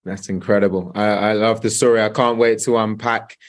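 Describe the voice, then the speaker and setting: Flat, low-voiced male podcast host. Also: fairly quick. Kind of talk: podcast hosting.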